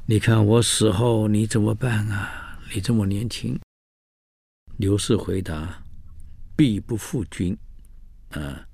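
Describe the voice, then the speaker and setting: A man telling history in a casual storytelling style, animated, acting out the quoted dialogue, with many fillers. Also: deep voice, vocal fry, breathy edge, dry recording.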